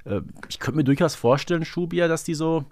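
A man's voice: a little high, brisk, a little mellow, dry recording, clean studio sound. A man co-hosting a podcast, talking through a topic in casual, conversational speech. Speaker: podcast co-host.

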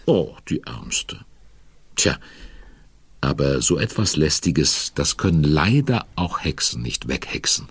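A man's voice: a bass voice, sing-song, slow pace, slightly rough, dry recording, exaggerated voice. A man playing a sympathetic, wry, confiding narrator in a children's audio play. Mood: wry sympathy. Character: sympathetic, wry male storyteller of a children's witch tale.

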